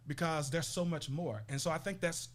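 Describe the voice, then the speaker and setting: A man's voice: fairly high pitch, fairly even intonation, moderate pace. A man from Tennessee, a life coach talking earnestly and reflectively as an interview guest. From Nashville, Tennessee. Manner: earnest, reflective, frequent restarts. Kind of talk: casual interview conversation.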